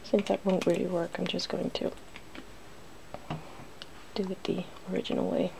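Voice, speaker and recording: A woman hosting an ASMR video, softly whispering in a breathy, playful way as she talks through what she is doing. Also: lowish voice, flat delivery, moderate pace, slight background noise, rough recording. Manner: playful, giggly. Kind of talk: ASMR, softly narrating a face-paint makeover.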